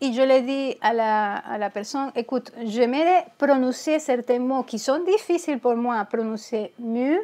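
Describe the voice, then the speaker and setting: A woman with a Venezuelan accent speaks fairly slowly in a high pitch with a dark, mellow tone, ordinary pitch variation, and hardly any pauses against a quiet background. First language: Spanish (speaking French). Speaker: summit creator and speaker. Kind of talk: interview. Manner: halting, many repetitions.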